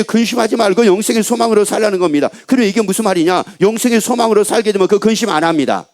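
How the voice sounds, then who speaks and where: A man preaching a Sunday sermon as pastor, asking the congregation repeated rhetorical questions and slowing down to read scripture. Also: sits high, darkish tone. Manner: slows down to read scripture verses.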